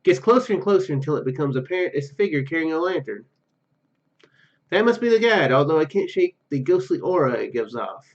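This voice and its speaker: A man doing a let's play, reading story text aloud haltingly and dropping in casual asides. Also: on the high side, lively intonation, dull audio. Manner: halting, stumbles over read words. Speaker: gaming YouTuber.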